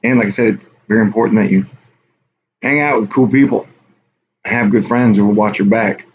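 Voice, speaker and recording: Man, mid-pitch, casual livestream host, rambling and offhand, dull lo-fi audio with faint hiss. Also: steady tone, fairly quick. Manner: rambling, offhand, reads chat aloud. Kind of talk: casual live stream chat with viewers.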